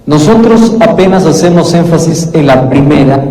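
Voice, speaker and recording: A man preaching a sermon in a measured way, lifting his voice for emphasis when he quotes what others say. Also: a little high, expressive, warm tone. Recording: echoey hall with long reverb.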